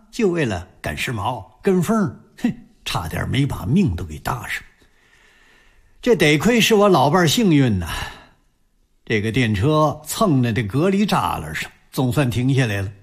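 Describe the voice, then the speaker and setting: An old husband telling the tale in a radio drama. His voice is husky and swings widely as he tells it with a wry edge. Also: fairly high pitch, exaggerated voice. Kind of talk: broadcast radio drama narration.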